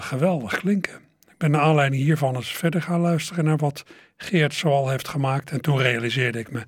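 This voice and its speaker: A husky male radio host introduces songs from a studio microphone, his speech musing and broken by hesitant fillers. The sound is close and dry, with no room around it. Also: mid-range voice, dry recording. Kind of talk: music radio presenting.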